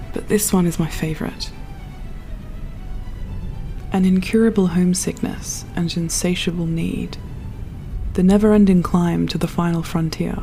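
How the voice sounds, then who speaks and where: A woman's voice: lowish voice, gravelly, mellow. Lofty, poetic woman artist over music. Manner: lofty, poetic, self-assured. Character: proud, dreamy, perfectionist artist designing a spaceship. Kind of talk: sci-fi audio drama monologue.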